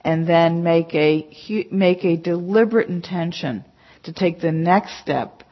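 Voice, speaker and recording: A low-voiced woman teaches a meditation class in a chatty, emphatic way, scattering "you know" through her points. The recording is dull and lo-fi, with the top end muffled. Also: a little slow. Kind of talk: conversational dharma talk to a class. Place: meditation center hall.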